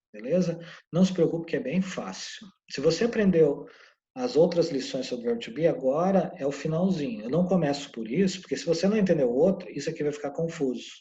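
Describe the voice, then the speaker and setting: A man with a Brazilian Portuguese accent explaining English grammar casually, often checking in with the learner and drawling example phrases slowly. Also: a little high, expressive, dark tone. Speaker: English teacher. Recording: dull lo-fi recording.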